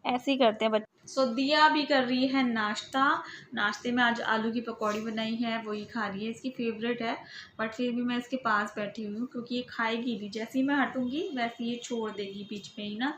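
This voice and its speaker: A fairly high-voiced woman in her thirties talks through her day as a home vlog voice-over. She chats easily and conversationally, often checking in with the listener with little tag questions. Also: fairly even intonation, normal speed, a bit bright, slight background noise. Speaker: vlogger and mother.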